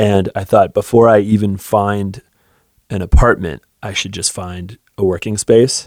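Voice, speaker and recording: Recorded very cleanly against a silent background, a man with an American accent and a normal speaking voice talks at a fairly low pitch, the sound dry and close with no echo. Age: 30s. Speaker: musician and teacher. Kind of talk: interview. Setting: recording studio.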